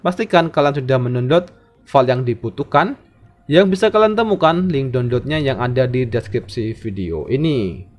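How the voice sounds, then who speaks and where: A tech channel host narrates a tutorial in a methodical, scripted way, backed by music. His voice is mid-range and a little mellow.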